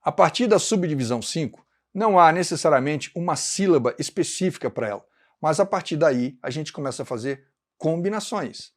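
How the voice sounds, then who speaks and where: A man's voice: on the high side, expressive, a little fast. A Brazilian man with a Brazilian Portuguese accent, teaching an online music lesson and explaining rhythm step by step. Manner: explanatory, chants rhythm syllables.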